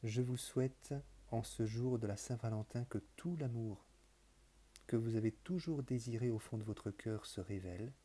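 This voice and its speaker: A man talking casually and off the cuff in a vlog, presenting his books. He rambles and hesitates, repeats words and restarts, with an earnest, softly enthusiastic tone. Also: mid-range voice, normal speed. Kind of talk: casual, improvised monologue.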